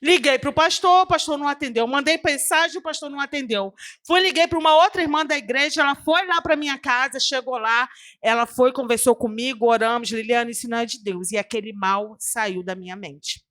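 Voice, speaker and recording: A woman's voice: sits high, a little fast, fairly bright tone. A woman preacher telling her testimony in a sermon, with emotional storytelling that acts out the dialogue and with asides to the audience.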